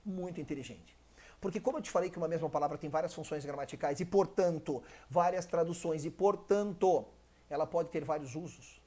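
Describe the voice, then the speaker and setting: A man's voice: fairly high pitch, warm tone. A Brazilian man teaching an online exam-prep English class, explaining step by step and asking the viewer frequent rhetorical questions, with a dry throat. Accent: Brazilian Portuguese.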